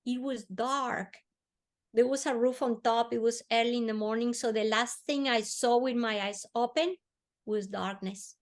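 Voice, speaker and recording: A woman from Colombia speaks, pitched a little high. She tells a personal story earnestly as an interview guest. She eases into a slower, softer delivery on the heavier parts. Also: fairly even intonation. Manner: earnest, slowing and softening on emotional words. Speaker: podcast guest.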